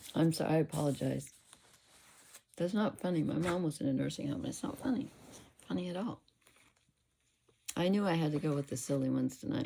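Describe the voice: In a put-on character voice, a woman croaks at a very deep, low pitch and a fairly quick pace, broken by long, frequent pauses.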